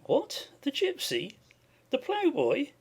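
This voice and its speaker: A woman reading an audiobook, voicing a fussy, disapproving gentleman husband in a dry, curt manner. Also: deep voice, huge pitch swings, measured pace, breathy edge, pitched below the performer's own voice, full character voice. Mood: astonished. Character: fussy, cross gentleman husband, proper and disdainful. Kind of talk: audiobook character voice.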